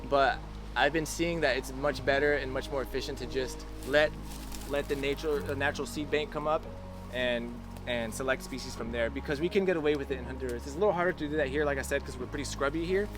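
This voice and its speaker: Laid-back farmer, music underneath. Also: male voice, on the high side. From United States. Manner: laid-back, loose and chatty, many restarts. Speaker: food forest farmer. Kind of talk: casual outdoor interview. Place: outdoors on a farm.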